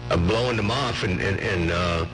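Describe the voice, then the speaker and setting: A man's voice: sits low, normal speed, a bit bright. A man chatting casually on a CB radio, joking and rambling in an easygoing way. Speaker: CB radio operator. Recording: noisy CB radio signal.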